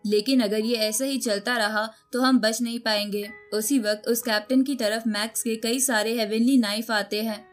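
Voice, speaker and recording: A woman reading a scripted story recap as a narrator. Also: a little high.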